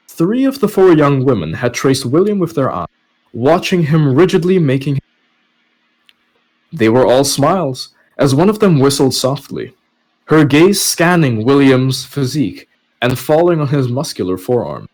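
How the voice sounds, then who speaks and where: Expressive male story narrator. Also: mid-range voice, rough recording. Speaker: podcast host and narrator. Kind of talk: story narration with casual asides.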